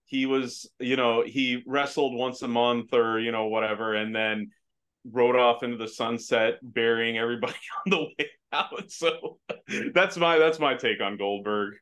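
Male podcast guest, American accent, halting casual delivery. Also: medium pitch, fairly even intonation, a bit bright. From Afghanistan. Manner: hesitant, many fillers and restarts. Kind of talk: casual chat. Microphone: video call.

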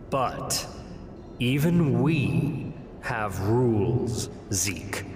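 Wry demon lawyer, swooping delivery. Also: male voice, mid-range voice, background noise. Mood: grave, firm. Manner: theatrical, wry storytelling. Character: smooth-talking demon defense lawyer recounting his dirty work. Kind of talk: audio drama monologue. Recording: reverberant hall, music underneath.

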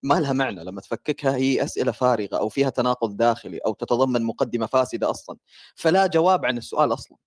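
A man's voice: medium pitch, expressive, racing, no room sound, studio quality. A man in a casual online debate, explaining his point step by step.

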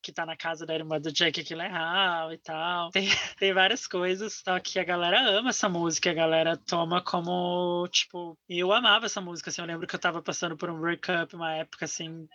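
Bright-voiced rambling man in his thirties. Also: high voice, fairly even intonation, brisk, few pauses, no echo, dull audio. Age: 30s. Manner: rambling, filler-heavy, enthusiastic. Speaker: podcast co-host. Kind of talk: casual chat about music.

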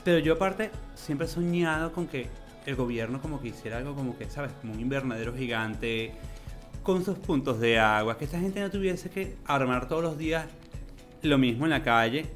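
Man, mid pitch, gushing interview storyteller, faint music behind. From Venezuela. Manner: enthusiastic, animated, drawn-out emphasis. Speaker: interview guest, florist. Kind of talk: conversational storytelling.

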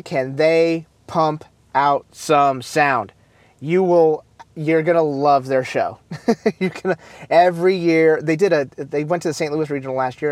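A man hosting a casual talk show, chatty and upbeat, with many fillers, restarts and quick asides. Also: a little high, no room sound. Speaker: host. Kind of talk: casual chat about marching bands.

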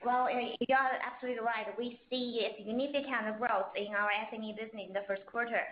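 Higher-voiced woman, dull roomy line. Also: flat delivery, slight background noise. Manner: careful, halting non-native phrasing. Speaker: interpreter. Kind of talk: consecutive interpreting on earnings call.

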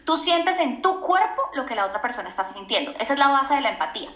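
A woman's voice: high-pitched, very animated, quick pace, fairly bright tone. A woman psychologist explaining to a podcast host in an earnest teaching tone, often asking for agreement. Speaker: psychologist guest on a parenting podcast. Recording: roomy echoing sound.

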